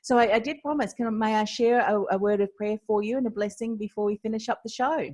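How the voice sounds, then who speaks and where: A woman's voice: on the high side, fast, a little mellow. A woman from Australia hosting an interview podcast, encouraging her guest and leading a short prayer. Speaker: podcast host.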